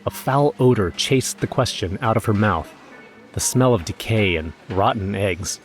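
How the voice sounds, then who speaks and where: Casting: wry, nervous everyman narrator, lowish voice, scripted horror audio drama storytelling. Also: animated, measured pace, soft background music. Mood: tense, disgusted.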